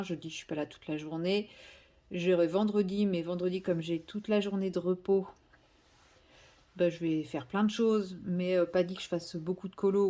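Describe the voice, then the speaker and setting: A woman's voice: on the low side, mellow. A woman chatting casually to viewers while she colours, rambling and correcting herself as she goes. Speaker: vlogger.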